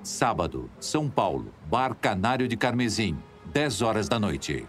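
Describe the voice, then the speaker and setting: Man as a low-voiced audio drama scene announcer. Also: very animated, measured pace, faint music behind. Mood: measured. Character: measured male narrator announcing scene settings. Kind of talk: scripted audio drama narration.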